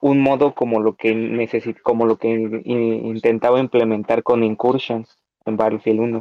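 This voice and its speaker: The speech has a monotone, flat intonation. It moves at a fairly slow pace. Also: man, medium pitch for a man. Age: 20s. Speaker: competitive gamer. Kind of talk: casual chat.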